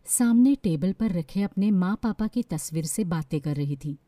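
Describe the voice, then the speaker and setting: A woman narrating a scripted dramatic story in a measured, expressive storytelling manner. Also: on the low side, dry recording. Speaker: storyteller, voice artist.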